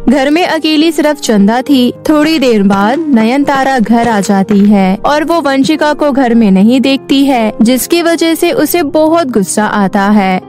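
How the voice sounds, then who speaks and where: A woman with a high voice narrates a children's cartoon story. She reads from a script as the storyteller. Light music plays underneath. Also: a little mellow. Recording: faint music bed behind voice.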